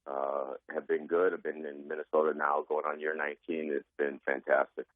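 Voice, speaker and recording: A man with a raspy, extremely deep voice talks in a flat, even way. He speaks earnestly and unhurriedly, with lots of fillers. The sound is thin and tinny, like a phone call, and dry. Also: dry recording. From Arizona. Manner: measured, earnest, many fillers. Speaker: guest, athletic director. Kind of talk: phone interview.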